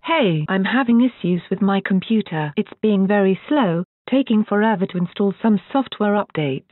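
A woman's voice: mid-range voice, lively intonation, moderate pace, no room sound. A robotic text-to-speech voice with a British accent playing a naive, polite woman caller. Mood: trusting. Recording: phone-like narrow band.

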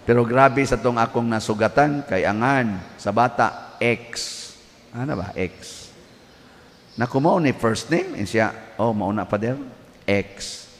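A man with a Cebuano accent, a priest giving a humorous homily, telling jokes in an animated storyteller's way. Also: medium pitch, unhurried. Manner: joking storyteller, animated asides. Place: large church. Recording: distant voice with long hall reverb, faint background noise.

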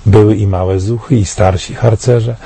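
A man in his sixties from Poland, giving a solemn, measured commentary read to camera in a studio. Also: lowish voice, fairly even intonation, creaky, warm tone, husky, no echo.

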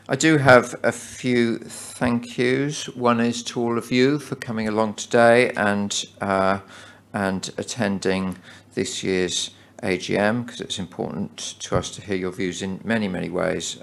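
A man's voice: fairly low pitch, gravelly, a bit bright. A man chairing a charity's annual meeting, speaking formally with many hesitant fillers. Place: meeting hall.

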